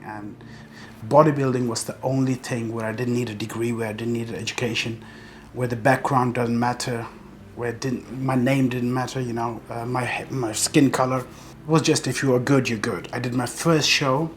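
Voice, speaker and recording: A man's voice: mid-range voice, fairly even intonation, normal speed, a little hiss or hum. A man from Afghanistan, a professional bodybuilder, telling his life story in an earnest, determined interview monologue.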